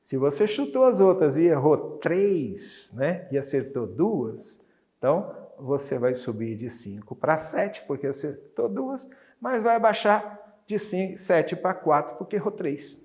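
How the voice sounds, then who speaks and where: A man with a Brazilian Portuguese accent teaching an exam review lesson. He reads Spanish test items slowly, then explains them in a chatty way and keeps checking in with his students. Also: a little high, animated, darkish tone.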